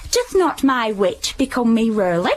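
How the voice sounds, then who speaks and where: An actress playing a quick-witted, teasing young waiting-woman with bawdy jokes in a Shakespeare audio play. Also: on the high side, big pitch swings, slight background noise.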